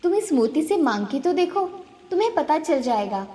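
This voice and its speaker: A woman's voice: high-pitched, normal speed, distant mic. A woman voicing a kind forest fairy. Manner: calm, reassuring. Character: kind forest fairy queen, calm and motherly. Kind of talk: cartoon voice acting.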